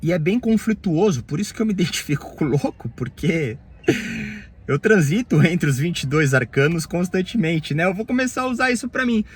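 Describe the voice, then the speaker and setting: Husky Brazilian man, halting reflections. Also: high-pitched, lively intonation. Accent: Brazilian Portuguese. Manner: halting, phrase-by-phrase, frequent tag questions. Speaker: therapist. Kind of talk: reflective personal monologue.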